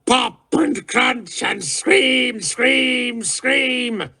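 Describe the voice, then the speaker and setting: Raging giant warlord. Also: male voice, low voice, fairly even intonation, slow pace, voice pushed down, full character voice. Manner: roaring, ranting shouts between rasping hisses. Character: raging giant male warlord, brutal and unhinged.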